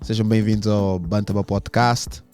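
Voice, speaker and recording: A man's voice: lowish voice, steady tone, moderate pace, darkish tone, faint music behind. A man, hosting a casual podcast interview and putting questions to a guest. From Portugal. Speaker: podcast host.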